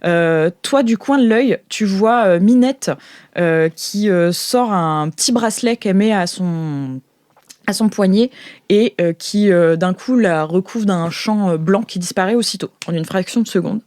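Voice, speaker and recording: A woman's voice: mid-range voice, measured pace, a little mellow, dry recording, clean studio sound. A woman improvises colloquial narration as game master, piecing sentences together hesitantly. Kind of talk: improvised narration of a tabletop role-playing game.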